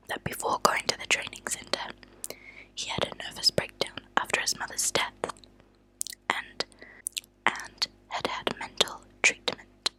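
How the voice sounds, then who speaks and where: A woman hosting ASMR, speaking in a soft, breathy, unvoiced whisper with a hushed, deliberate delivery and pauses. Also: poor audio. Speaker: ASMR channel host. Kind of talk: whispered ASMR true-crime reading. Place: at a desk indoors.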